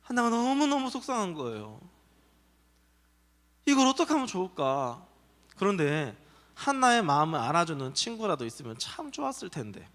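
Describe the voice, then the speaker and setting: A man pastor telling a Bible story to children, animated and asking them questions. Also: high-pitched, moderate pace, pauses often. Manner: animated, asks children questions and acts out voices. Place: church children's worship hall. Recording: reverberant hall.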